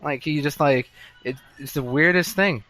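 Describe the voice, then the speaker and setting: A man's voice: a little high, normal speed, fairly bright tone. A young man co-hosting a podcast from a pub, telling office stories in a rambling, self-interrupting casual chat. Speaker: podcast co-host. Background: bar chatter.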